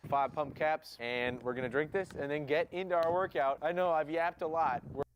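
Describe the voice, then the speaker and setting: A man's voice: fairly high pitch, fairly even intonation, normal speed, slight background noise, rough recording. A man, a fitness influencer, giving chatty, promotional gym tips in a vlog, partly recorded outdoors by a gym. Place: outdoors by a gym, in a truck bed.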